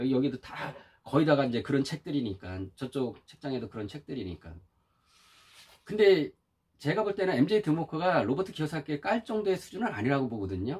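Somewhat breathy, a man speaks at a moderate pace with very wide swings in pitch. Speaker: YouTuber reviewing books. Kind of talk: casual monologue.

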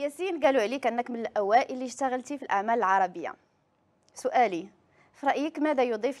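A woman's fairly high voice at a fairly quick pace, with lively intonation. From Morocco. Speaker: TV talk show host. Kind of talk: interview. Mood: friendly, smiling. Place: studio. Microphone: lapel.

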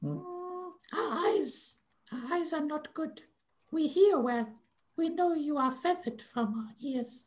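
In a put-on character voice, a man talks at a fairly slow pace with an extremely high pitch, leaving long, frequent pauses. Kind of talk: tabletop roleplay voicing. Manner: cryptic, curt, speaks of itself as we.

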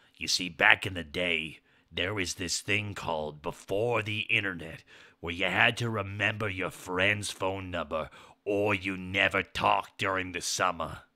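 A raspy put-on character voice at a moderate pace, fairly even in intonation, on a very clean recording with a silent background. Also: man, very deep, low pitch for a man. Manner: spooky, dramatic.

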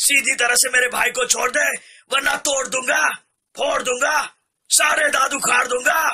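A man shouts in a cartoonish character voice at an extremely high pitch. His pace is moderate, broken by long, frequent pauses. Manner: loud, threatening.

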